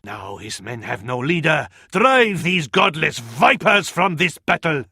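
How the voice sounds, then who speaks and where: An actor playing a fervent Arab advisor to a sultan in a strategy video game, with an Arabic accent and ornate, theatrical delivery. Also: male voice, on the high side, very animated, unhurried, bright, forceful tone, husky, dry recording, studio quality, heavily acted. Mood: stern. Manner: ornate, dramatic, proverb-laden delivery.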